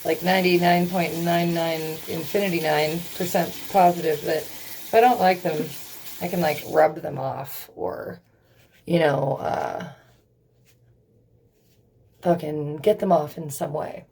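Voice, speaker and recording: A woman's voice: low-pitched, fairly even intonation, a little slow, vocal fry, pauses often, darkish tone, breathy edge. A young woman vlogging casually, rambling and giggling nervously as she talks to the camera, swearing often. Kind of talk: casual beauty vlog.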